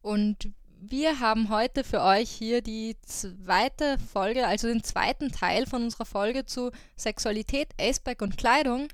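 Smooth-voiced woman hosting. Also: fairly high pitch, measured pace, dry recording, studio quality. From Austria. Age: 20s. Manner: reads out listener survey answers. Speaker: podcast host. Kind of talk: casual podcast chat.

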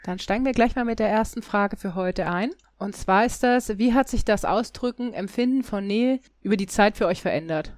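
A woman's voice: medium pitch, normal speed, few pauses, darkish tone, dry recording. A person in their thirties from Saxony-Anhalt with a woman-sounding voice, co-hosting a podcast plainly and matter-of-factly. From Saxony-Anhalt, Germany. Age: 30s. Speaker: podcast co-host. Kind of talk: casual podcast chat.

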